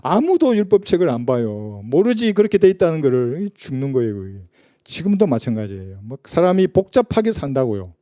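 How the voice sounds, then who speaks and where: A man's voice: mid-range voice, sing-song, a little fast, dark tone, dry recording, studio quality. A man preaching a sermon as pastor in a casual, conversational way, asking his listeners rhetorical questions and briefly acting out the people he quotes. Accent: Gyeongsang Korean. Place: church.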